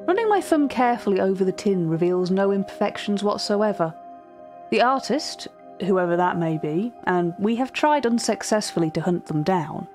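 In a lightly acted fiction podcast, a woman with a mid-range voice takes the role of an earnest, cultured art curator. Her narration stays measured, precise, and formal.

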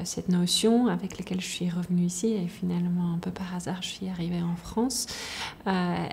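A woman, answering interview questions thoughtfully, with many pauses and restarts, in a lecture hall. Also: on the low side, creaky, mellow, slight background noise. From Netherlands. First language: Dutch. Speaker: conflict transformation researcher. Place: indoor lecture hall with red seats.

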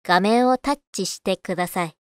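A woman delivers scripted voice-over in a medium-pitched voice. Her reading is rehearsed and carefully enunciated, in the manner of narration and announcements. The sound is dry, with hardly any room around it. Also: moderate pace, clear, resonant tone, dry recording. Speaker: voice actor.

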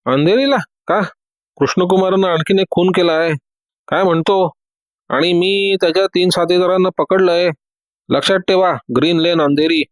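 A man's voice: sits high, moderate pace, no echo, voice pushed up, lightly acted. A man voicing a confident, witty male detective who teases everyone in a breezy way. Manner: teasing, breezy.

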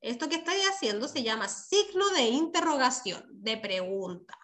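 Over a video call, a primary school teacher with a Chilean Spanish accent teaches young children with patience and affection. Her voice is a little high and a bit bright, with lively intonation at a normal speed.

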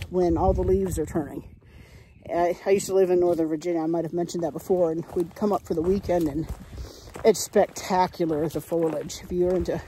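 A woman's voice: on the low side, dark tone, slight background noise, poor audio. A woman, chatting to a phone at arm's length while hiking a wooded mountain trail, upbeat and encouraging. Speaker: hiking vlogger. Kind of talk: casual vlog to camera. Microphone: phone held at arm's length.

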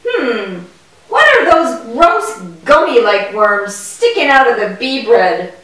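A woman voicing an excitable, fearful young boy in a children's puppet show, with exaggerated delivery aimed straight at kids. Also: a little high, slow pace, heavily acted. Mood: curious. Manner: exaggerated, addressing children directly. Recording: echoey hall, far from the mic.

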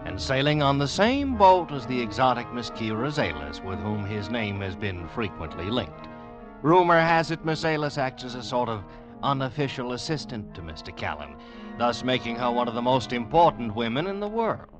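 An actor playing a gossip-news announcer delivering bulletins in a 1940s radio drama. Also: male voice, mid-range voice, very animated, normal speed, close to an everyday voice. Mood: dramatic, newsy. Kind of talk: 1940s radio newscast acting. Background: loud music.

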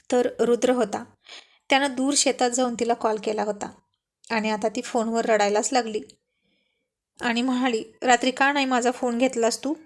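A woman narrating a serialized love story in a steady, plain storytelling manner. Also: a little high.

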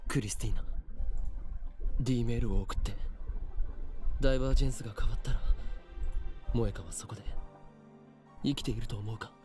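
An actor voicing a somber, weary young man in an anime-style game, speaking in a low, subdued way. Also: fast, long pauses, warm tone, close to an everyday voice. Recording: game audio with faint music.

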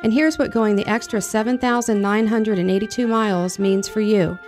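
A woman who runs a jewelry store, reading a scripted advertisement in a smooth, persuasive way. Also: medium pitch, normal speed. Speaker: jewelry store owner in a radio-style ad. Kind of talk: scripted ad read. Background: soft music.

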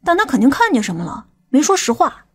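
A woman's voice: high-pitched, big pitch swings, fast. A woman playing a stern, impatient police detective in an audiobook drama. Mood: argumentative.

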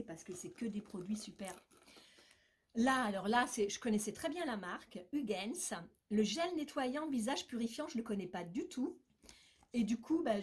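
A woman's voice: on the high side, darkish tone. A woman chatting casually and enthusiastically through a beauty box unboxing, full of fillers and asides. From France.

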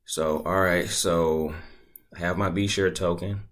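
A man casually talking through a screen-recorded tutorial at his computer, laid-back and thinking out loud as he goes. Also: sits low, fairly even intonation, measured pace. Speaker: crypto tutorial creator.

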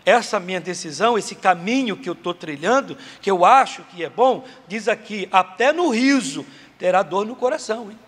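A pastor with a Brazilian Portuguese accent preaches in a large church hall, emphatic and repetitive, acting out little dialogues. His high-pitched voice is expressive and a bit bright at a moderate pace, with long hall reverb on the recording.

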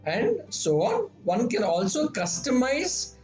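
A man's voice: extremely high pitch, wildly swooping pitch, slow pace, a little mellow, reverberant, faint music behind. A man, a solar engineer, steadily explaining a monitoring app in a voice-over.

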